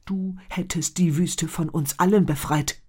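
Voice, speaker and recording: A narrator voicing a stern male tribal leader who rebukes loudly and commandingly, in an audiobook reading. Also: medium pitch, steady tone, unhurried, slightly rough, pitched above the performer's own voice. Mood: hissing.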